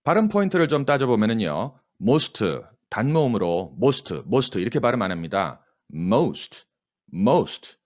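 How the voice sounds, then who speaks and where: Korean man teaching English with lively pitch. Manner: slow, drawn-out English model reading between brisk Korean explanations; coaching, asks listeners to repeat after him. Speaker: English teacher and news anchor. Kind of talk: English reading lesson.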